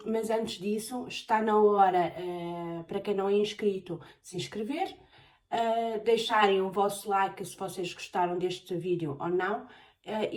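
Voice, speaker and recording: A woman from Portugal with a European Portuguese accent, chatting casually in a question-and-answer vlog, often pausing on filler sounds. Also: medium pitch, darkish tone. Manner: hesitant, many filler sounds. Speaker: vlogger. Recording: voice a bit far from the mic.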